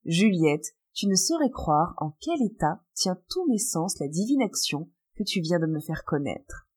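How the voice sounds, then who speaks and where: A cruel, lustful nobleman who gloats over the harm he does, as a woman reads him aloud. His lines swing widely in pitch, lively and callous. The reading is of an audiobook novel. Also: a little slow, slightly rough, exaggerated voice. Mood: rapturous. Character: cruel, lustful older male minister.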